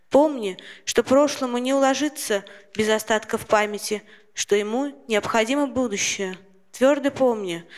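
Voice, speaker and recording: A young woman reading a poem aloud slowly and evenly into a handheld mic in a small lecture room. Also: a little high. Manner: slow, measured recitation. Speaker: audience member reading a poem. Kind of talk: poetry reading. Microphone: handheld microphone.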